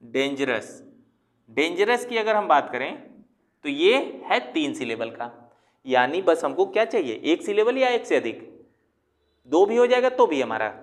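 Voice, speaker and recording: A man with a fairly high voice gives a patient grammar lesson. He walks through each point step by step and poses questions to the viewer. Now and then he stretches a word out slowly to break it into parts. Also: sing-song. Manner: patient, explains step by step, drawls words out syllable by syllable; asks rhetorical questions to the viewer. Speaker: English teacher. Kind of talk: classroom-style grammar lesson.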